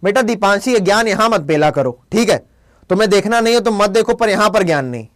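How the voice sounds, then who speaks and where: A man's voice: high-pitched, expressive, quick pace. A young man with a Hindi accent teaching a live online English class, playful and scolding his chat commenters. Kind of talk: live class with quiz questions.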